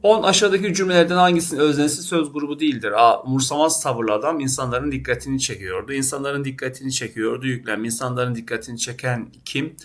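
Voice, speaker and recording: A man's voice: medium pitch, fast, few pauses. A man teaching a lesson, working through test questions by asking and answering them himself and often addressing his students. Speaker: Turkish teacher.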